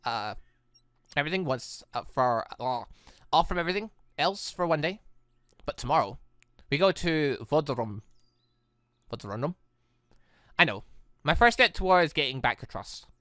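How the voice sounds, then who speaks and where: Bright-voiced man reading game dialogue, stumbling. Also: fairly high pitch, animated, clear, resonant tone, no echo, studio quality. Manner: halting, stumbling over words and correcting himself. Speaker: gaming video host. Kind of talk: reading visual novel dialogue aloud.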